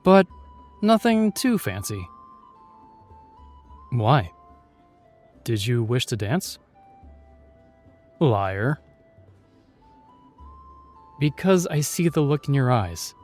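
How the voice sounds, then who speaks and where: An actor playing a chivalrous, shyly tender knight in a fantasy audio roleplay, speaking with courtly, reassuring and slightly hesitant phrasing. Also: male voice, mid-range voice, big pitch swings, drawn-out words, long pauses, a little mellow, soft background music.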